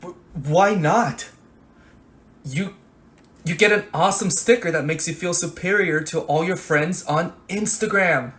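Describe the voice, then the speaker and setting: A man's voice: sits high, measured pace, a bit bright. A man playing a wry, weary debate moderator in a staged political satire, presenting like an announcer. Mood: incredulous.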